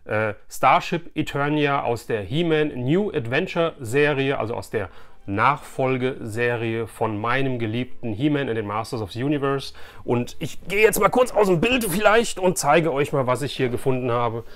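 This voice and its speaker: A man's voice: medium pitch, expressive, normal speed, fairly bright tone. A man chats casually and colloquially to camera as an enthusiastic host. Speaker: YouTube host, toy collector. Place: small furnished room lined with shelves of collectibles.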